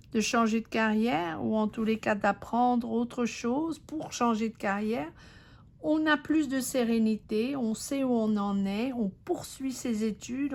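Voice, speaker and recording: Woman tarot reader, fairly high voice, unhurried and halting delivery full of fillers, reassuring tone toward the viewer. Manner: slow, hesitant, many fillers and restarts; reassuring, addresses the viewer directly. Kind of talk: intuitive tarot reading.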